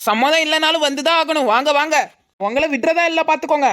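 A bold, scheming village girl in a cartoon, voiced by a woman. She talks loud and bossy in a high, bright voice. Her lines come quick. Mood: bossy, cheerful. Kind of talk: Tamil cartoon dub.

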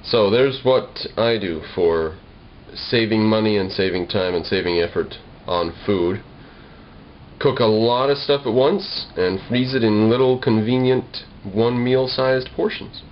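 A man's voice: fairly low pitch, a little slow. A young American man talking casually to the camera in a wry, slightly formal way, explaining things in a homemade vlog. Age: young adult. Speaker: video blogger. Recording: dull lo-fi home video with noise.

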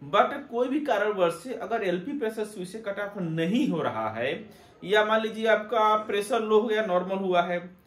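A young man hosting a technician channel explains things to the camera, posing rhetorical questions to himself as he teaches. He has a high voice with noticeable reverb, and he's in an indoor room with a plain backdrop.

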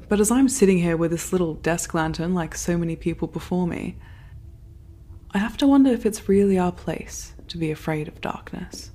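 Actress as a thoughtful, mellow-voiced woman keeping a log. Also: fairly low pitch, a little hiss or hum, natural voice. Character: anxious, reflective woman recording logs for future aliens. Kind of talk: audio drama monologue and dialogue.

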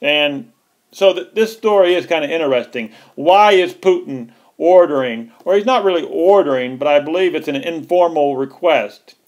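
A man hosting a political commentary video, talking in an emphatic, repetitive and heated way. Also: a little high.

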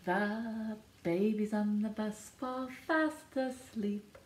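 Sing-song librarian woman, slow and bouncy. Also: mid-range voice, fairly even intonation, a little mellow, reverberant, a little hiss or hum. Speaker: children's librarian. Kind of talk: singing a picture book for babies. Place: living room with a couch and a decorated wall.

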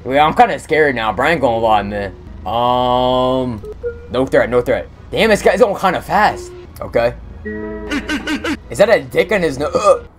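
A young man casually commentating on a game stream, using slang and talking excitedly to his chat. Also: mid-range voice, measured pace, music in the background. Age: young adult. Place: indoor room at streaming setup.

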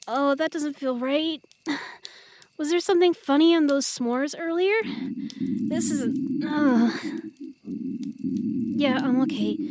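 Casting: woman to play a tender, playful young girlfriend for intimate audio roleplay, higher-pitched and very animated, recorded dry. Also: dry recording, full character voice. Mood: uneasy. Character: affectionate young girlfriend, earnest and shy about love.

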